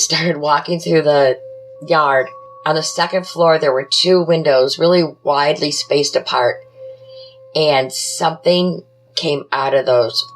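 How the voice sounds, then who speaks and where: Over a rough recording, a low-voiced woman shares paranormal encounters she lived through as a podcast guest. Her first-person storytelling is conversational, built from brief, plainspoken, dramatic lines.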